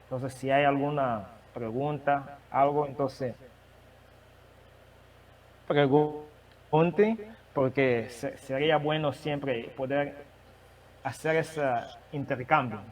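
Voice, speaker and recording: Slow, halting man preaching from afar. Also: medium pitch, far from the mic, poor audio. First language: not Spanish. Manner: slow, halting, many restarts. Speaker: guest preacher. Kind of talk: sermon testimony.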